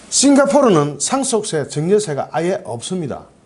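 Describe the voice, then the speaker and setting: Very slowly and with very wide pitch swings, a man speaks in a high voice. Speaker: political commentary YouTuber. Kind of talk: political commentary monologue. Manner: emphatic.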